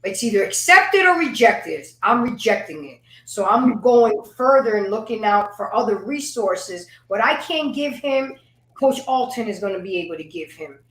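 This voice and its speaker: A woman's voice: mid-range voice, animated, moderate pace, a bit bright, reverberant, poor audio. A woman on a casual panel chat who talks emphatically, swears freely and stumbles over repeated words when she gets worked up.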